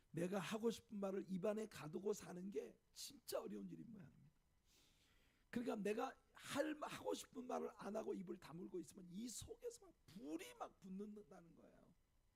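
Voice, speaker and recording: At a moderate pace, a man with a high pitch speaks with lively intonation and big swings in loudness. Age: 60s. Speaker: pastor. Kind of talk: sermon.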